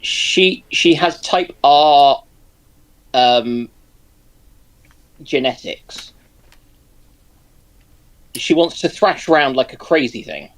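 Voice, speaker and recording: Dry-voiced co-host on a live stream. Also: male voice, on the high side, very slow, pauses often, low-quality recording. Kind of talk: casual chat.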